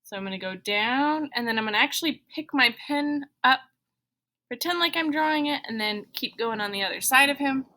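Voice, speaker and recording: A woman's voice: high-pitched, lively intonation, a little fast, pushed and bright. A woman, a schoolteacher, leading children through a step-by-step drawing lesson with simple, encouraging instructions, thinking aloud as she goes. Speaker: elementary school teacher.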